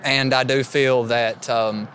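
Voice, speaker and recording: A man's voice: mid-range voice, little pitch movement, slow pace, a bit bright. A man from Eastern Kentucky with an Eastern Kentucky accent, a campaign manager who talks in a folksy, plainspoken way with colorful sayings. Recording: music playing behind the voice.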